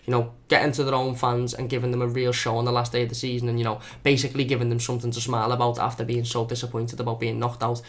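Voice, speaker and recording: Young Scouse male fan vlogger, quick and earnest with a narrow pitch range, repeats himself for emphasis. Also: completely flat delivery. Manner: repetitive, earnest, doubles his words. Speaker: fan channel host. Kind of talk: football preview vlog.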